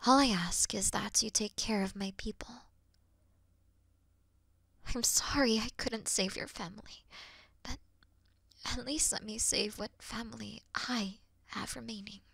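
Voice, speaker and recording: A woman playing a weary, noble and gentle demon queen in a fantasy audio roleplay, speaking earnestly in a breathy, hushed way. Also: medium pitch, steady tone, dry recording, heavily acted. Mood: solemn, resigned. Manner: solemn, slow, earnest, breathy hushed delivery.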